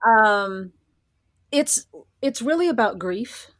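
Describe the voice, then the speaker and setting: A woman's voice: on the high side, expressive, takes it slowly, a bit bright, no echo, studio quality. A woman answering as an interview guest, talking conversationally about her work as a writer with emphatic asides. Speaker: guest, horror fiction writer.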